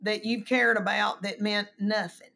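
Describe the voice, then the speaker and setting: A woman in her fifties, a comedian guest on a video call, telling candid stories in an earnest, self-deprecating way that often trails off into quieter asides. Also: medium pitch, steady tone, measured pace, vocal fry. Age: 50s. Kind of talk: candid conversational storytelling. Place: home room on a video call.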